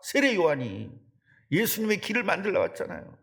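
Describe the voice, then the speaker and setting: A man's voice: high voice, huge pitch swings, brisk, gravelly, fairly bright tone. A man preaching a casual sermon, chatting with and quizzing his congregation and its children. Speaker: pastor. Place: church service room.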